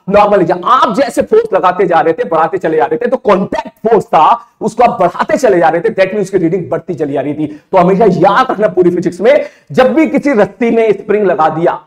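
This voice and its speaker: Brief: high-pitched man, physics tutor, chatty lecture, quizzes the class aloud. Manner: conversational, asks and repeats questions. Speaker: physics teacher. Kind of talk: lively exam-prep lecture.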